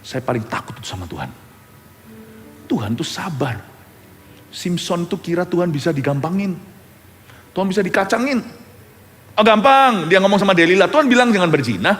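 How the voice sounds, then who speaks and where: A male pastor preaching with great animation, his fairly high voice leaping up in loud bursts and dropping into near-murmurs. The sound carries the long reverb of a large church hall. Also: normal speed, long pauses, a little hiss or hum. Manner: animated preaching, swinging between loud bursts and hushed low lines. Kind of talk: sermon.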